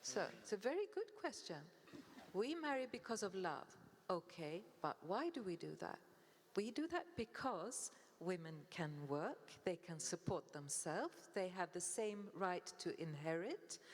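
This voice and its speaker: Very wide pitch swings in a Swedish accent, at a fairly slow pace. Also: woman, medium pitch for a woman. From Sweden. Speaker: panel speaker. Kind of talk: panel discussion.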